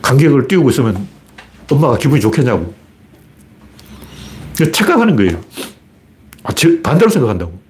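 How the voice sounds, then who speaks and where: A man's voice: mid-range voice, sing-song, brisk, pauses often, darkish tone, slight background noise. A man hosting his own commentary broadcast, talking in a blunt, colloquial and argumentative way with many rhetorical questions. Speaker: political commentator.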